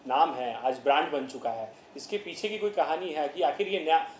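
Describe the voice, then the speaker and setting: A man's voice: fairly high pitch, moderate pace, echoey room, slight background noise. A male news interviewer asking polite, slightly hesitant questions.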